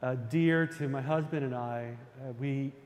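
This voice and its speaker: A man's voice: medium pitch, a little slow, a little mellow. A male minister from New Jersey preaching a sermon, conversational and easygoing, with fillers and restarts as he tells a story. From New Jersey, USA. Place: church sanctuary. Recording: long church reverb.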